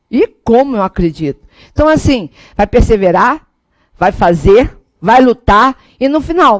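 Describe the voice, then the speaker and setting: A Brazilian Portuguese woman delivering an energetic law lesson with a high voice. She rallies and coaches her students directly. The sound is dry and close, with no room around it. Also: dry recording. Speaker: law teacher. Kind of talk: lively classroom lecture.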